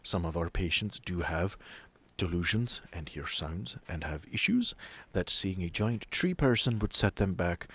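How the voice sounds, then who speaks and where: Man playing a guarded woman running a sanatorium, low-pitched. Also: dry recording.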